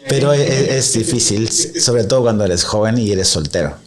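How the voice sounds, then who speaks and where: A man in his forties from Chile with a fairly low voice talks as a pastor on a relaxed podcast. He explains things in an even, measured way. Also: crowd noise. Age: 40s. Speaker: pastor, guest. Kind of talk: casual podcast chat.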